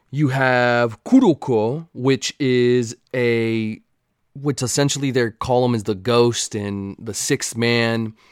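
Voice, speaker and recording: An upbeat man at a fairly slow pace, on a very clean recording with a silent background. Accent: Texan. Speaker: podcast host. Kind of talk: casual solo monologue. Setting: home recording, rain in background. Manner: upbeat, casual.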